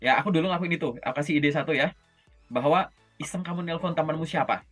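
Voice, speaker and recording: A man with a fairly high voice coaches job interview skills over a video call, talking in a lively, chatty way and often checking in with his listener. Faint music plays in the background. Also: fast talker. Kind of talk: casual coaching session.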